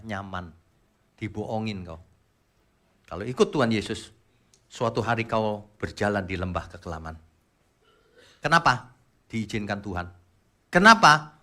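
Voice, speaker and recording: A pastor preaching a sermon in a lively colloquial way, firing rhetorical questions. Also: male voice, medium pitch. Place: church.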